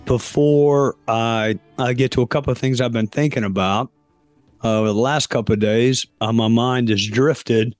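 Hoarse guy doing his podcast, slow and thoughtful, lots of uhs, medium pitch, dry sound. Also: steady tone, dry recording, soft background music. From South Carolina, US. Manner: deliberate, pausing often with fillers. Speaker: podcast host. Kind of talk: reflective podcast monologue.

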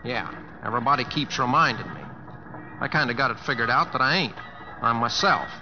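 A man's voice: mid-range voice, expressive, brisk, over music, lightly acted. A man playing an easygoing, rebellious young cowboy in a radio drama, with a folksy, wry Western American drawl. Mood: restless, resigned. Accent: American rural Western drawl. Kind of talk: 1950s radio drama acting. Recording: dull old radio broadcast recording.

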